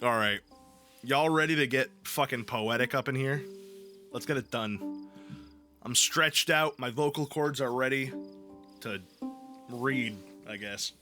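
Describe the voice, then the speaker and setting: Pushed and bright at a medium pitch, this host's voice moves at a measured pace broken by long pauses. On his livestream, backed by ambient music, he switches between chatting and reading aloud in a playful, profane, jokey, irreverent manner.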